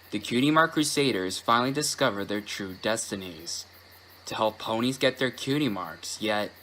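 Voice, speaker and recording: A man reading a scripted horror story in a hushed, creeping, dramatic and deliberate manner. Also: on the low side, low-quality recording. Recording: faint background noise.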